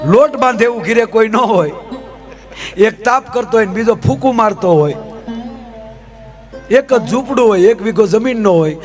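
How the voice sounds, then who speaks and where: A man telling comic folk stories on stage in a chatty way, asking the audience rhetorical questions and calling them "sir". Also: high voice. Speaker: folk comedian and storyteller. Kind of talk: live stage comic storytelling.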